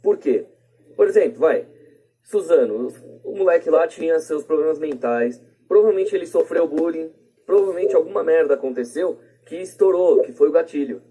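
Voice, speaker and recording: A man's voice: on the high side, animated, normal speed, mellow, husky, rough recording. A Brazilian man giving his opinions casually as a podcast guest, in a colloquial, rambling way with frequent tag questions. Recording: plain podcast voice recording.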